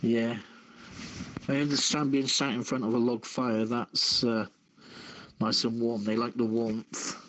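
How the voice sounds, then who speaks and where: A man hosts a casual online radio show, mixing news stories with chat. His delivery is very slow and hesitant, broken up as he feels for the next word. His voice sits at an average pitch. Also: flat delivery, a bit bright, slight background noise, poor audio.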